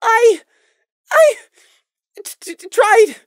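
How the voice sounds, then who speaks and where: A terrified young pony stallion, voice pushed very high, as a reader puts him on. He stammers and chokes on his words in panic. Close, dry recording. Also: sing-song, extremely slow, no echo, exaggerated voice.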